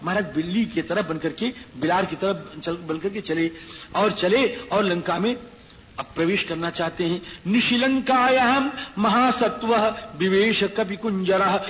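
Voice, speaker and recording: A man with a high voice gives a devotional discourse. He chants verses and explains them, acting out characters. The hall around him echoes, and there is faint background hiss. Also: normal speed. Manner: chanting Sanskrit verses then explaining in Hindi, voicing characters. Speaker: Ramayana preacher. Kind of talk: devotional discourse with Sanskrit recitation.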